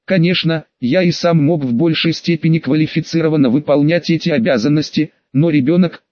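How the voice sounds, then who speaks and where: A man with a slightly higher voice reads a first-person audiobook in measured, evenly paced phrases. The recording is close and dry, with a dull, somewhat lo-fi tone. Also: no echo. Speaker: audiobook reader.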